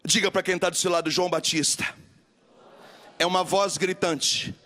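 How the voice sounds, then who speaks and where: Brazilian guy preaching loud and emphatic, high voice, keeps repeating lines and getting the crowd to say them back. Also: fairly even intonation, normal speed. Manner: emphatic, repetitive call-and-response preaching. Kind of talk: sermon. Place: live camp gathering.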